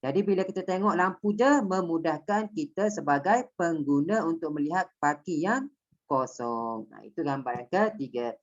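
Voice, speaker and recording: A woman's voice: sits low, expressive, moderate pace, highs cut off. A woman teacher with a Malaysian Malay accent, explaining a lesson step by step and checking that her pupils understand. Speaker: primary school Malay teacher. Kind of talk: online class lesson.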